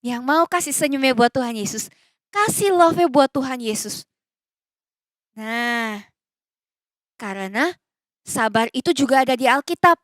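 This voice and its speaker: Woman, children's preacher, high voice, animated questions to kids, dry close sound. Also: unhurried, long pauses, no echo. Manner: mixes in English phrases. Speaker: children's church teacher. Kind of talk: children's sermon. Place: church recording.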